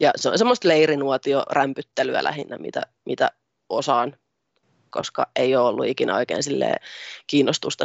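A woman speaking at a moderate pace. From Tampere, Finland. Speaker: youth worker, podcast co-host. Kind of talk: casual chat.

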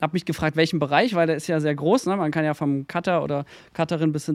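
A man's speech comes very fast, its intonation fairly even, in a very clean recording with a silent background. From Thuringia, Germany (Mühlhausen). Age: 20s. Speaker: film director and agency founder. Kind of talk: interview. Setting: cinema venue recording.

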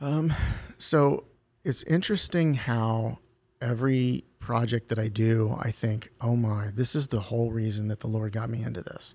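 A normal speaking voice at a moderate pace with ordinary pitch variation. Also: man, medium pitch for a man. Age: 50s. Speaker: museum exhibit art director. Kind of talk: interview conversation.

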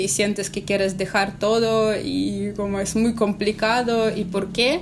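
Noticeable background noise surrounds a woman speaking at a fairly slow pace. She talks with a Russian accent. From Russia, Saint Petersburg. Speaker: academic operations manager at a language school. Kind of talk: casual interview. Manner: halting, searching for words.

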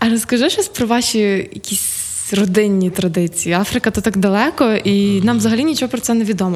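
Against noticeable background noise, a woman talks at a fairly quick pace with fairly high pitch and ordinary pitch variation. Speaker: podcast host. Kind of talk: interview.

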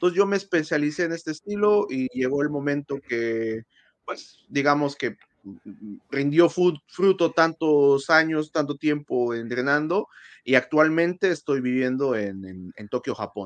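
Speaking at a fairly slow pace, a man with a fairly high pitch uses lively intonation and big shifts in volume, recorded dry and close with no echo. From Mexico, Hidalgo (Santiago Tulantepec). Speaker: professional wrestler. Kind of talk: interview. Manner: halting, with frequent repetitions.

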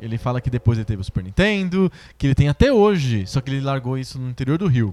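Music plays behind a man speaking. He talks at a fairly quick pace with very wide pitch swings. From Brazil, São Paulo area (São Bernardo). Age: 30s. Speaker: podcast host. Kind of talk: casual chat.

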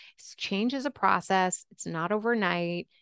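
In a dry, close sound with no echo and a quiet background, a woman with an American accent uses a normal speaking voice at a fairly slow pace and medium pitch with ordinary pitch variation. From California. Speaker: lawyer and coach. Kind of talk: casual interview chat.

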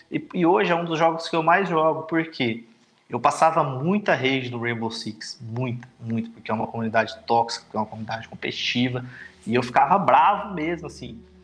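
A man with a plain, everyday voice and medium pitch talks at a fairly quick pace with lively intonation. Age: 30s. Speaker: gamer. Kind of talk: casual chat.

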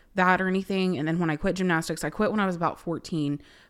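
In a very clean recording with a silent background, a woman with a normal speaking voice speaks at a fairly low pitch with ordinary pitch variation. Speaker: guest talking about mental health. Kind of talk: casual conversation.

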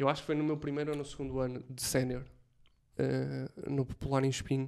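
A fairly high-pitched man with a European Portuguese accent. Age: 20s. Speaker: comedian. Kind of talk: casual chat.

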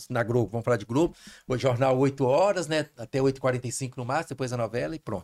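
A man talks at a fairly quick pace in a normal speaking voice, medium in pitch with ordinary pitch variation. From Belo Horizonte, Minas Gerais, Brazil. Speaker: TV screenwriter and novelist. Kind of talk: podcast interview. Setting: live-streamed studio podcast.

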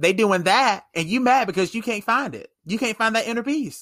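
The tone is bright and sharp, at a fairly quick pace. The recording is very clean, with a silent background. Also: man. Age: 20s. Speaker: voice teacher and podcast host. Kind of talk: casual chat.

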